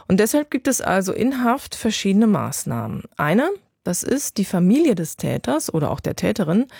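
Gravelly-voiced woman news anchor. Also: on the low side, darkish tone, dry recording, clean studio sound. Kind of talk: scripted news presentation.

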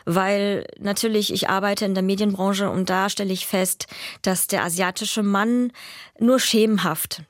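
A woman's voice: medium pitch, dry recording, clean studio sound. A young adult woman from Vietnam, an actress and author, answering interview questions thoughtfully and restarting phrases as she searches for words.

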